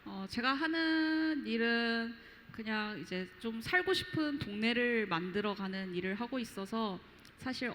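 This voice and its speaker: A woman heading a local startup, introducing herself on a panel in a measured, friendly way with fillers. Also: fairly high pitch, fairly bright tone, a little hiss or hum. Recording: reverberant hall, faint ambience.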